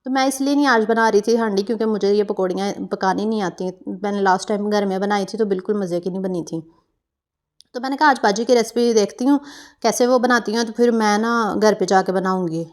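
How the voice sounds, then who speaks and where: Talking viewers through a recipe, this young Pakistani woman speaks at medium pitch and a fairly quick pace. It's casual vlog narration, chatty and wandering, with plenty of fillers and self-corrections.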